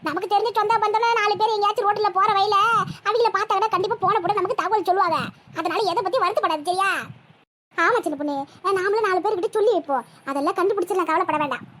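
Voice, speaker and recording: A woman voicing a chatty village aunty with a shrill high voice. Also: fast, fairly bright tone, a little hiss or hum. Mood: coaxing. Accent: Tirunelveli Tamil. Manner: scolding, advising, talkative. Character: chatty middle-aged village aunty, meddling but caring. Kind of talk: cartoon voice acting.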